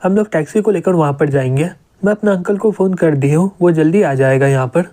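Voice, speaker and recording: A man's voice: a little high, brisk, mellow, natural voice. A man voicing a bossy, blunt young policewoman in a manga recap, with a demanding manner.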